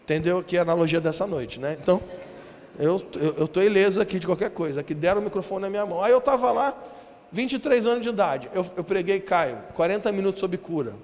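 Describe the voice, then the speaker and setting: A man from Brazil preaching a sermon, telling a story in a lively, slangy way and acting out what people said. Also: high-pitched, fast. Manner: animated, slangy storytelling with acted-out quotes. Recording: reverberant hall with faint ambience.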